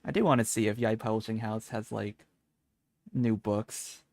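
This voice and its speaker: A man doing live game-stream commentary, excitable and chatty with viewers, sometimes reading dialogue aloud. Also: fairly low pitch, moderate pace, gravelly, no room sound, studio quality.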